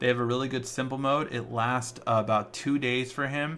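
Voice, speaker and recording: A man with a plain, everyday voice and an American accent speaks at a fairly quick pace with fairly even intonation. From US, Mexican-American family. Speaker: tech YouTuber. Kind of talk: live stream Q&A. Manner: casual, many fillers.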